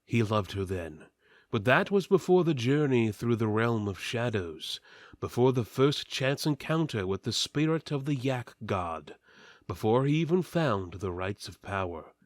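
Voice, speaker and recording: Theatrical man with sweeping, animated pitch. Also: dry recording, clean studio sound. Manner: theatrical, solemn, deliberate emphasis. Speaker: story narrator. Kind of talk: dramatic reading of mock-epic fantasy fiction.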